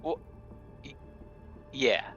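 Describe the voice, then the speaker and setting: A man's voice: very slow, pushed and bright, muffled recording, faint music behind. A man playing a tabletop roleplaying game, chatting casually in a wry, playful manner.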